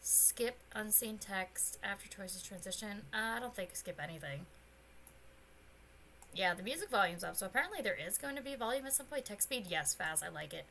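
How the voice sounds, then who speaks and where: A young woman chats her way through a game stream at home. Her tone is bright and forward, with a faint rough edge because her voice has not fully recovered yet. She rambles loosely and breaks into sudden excited squeals, over a light hiss of background noise. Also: mid-range voice, moderate pace. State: slightly hoarse, voice still recovering. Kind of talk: casual let's-play chat.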